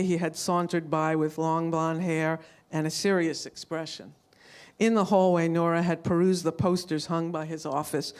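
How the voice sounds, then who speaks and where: A woman's voice: fairly low pitch, a little mellow. A woman reading literary prose aloud at a live event, as an author who adds informal asides. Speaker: author reading from own novel.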